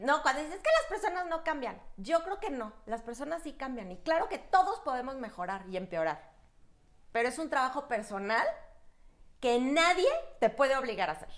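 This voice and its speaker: With a Mexican accent, a woman speaks at a moderate pace. Her pitch is high and swings very widely. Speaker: interior designer, singer's wife. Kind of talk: casual chat.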